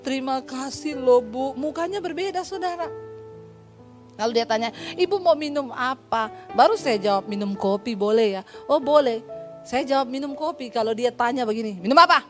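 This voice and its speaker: A woman pastor with an Indonesian accent preaching a sermon, telling stories lively and acting out the voices of the people in them with humorous asides. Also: high-pitched, moderate pace, faint music behind. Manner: lively storytelling, acts out dialogue, humorous asides.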